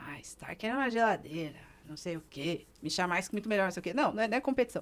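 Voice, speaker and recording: A woman speaks in an interior São Paulo accent with very wide pitch swings. The recording is very clean with a silent background. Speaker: cellist and music teacher. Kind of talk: podcast interview.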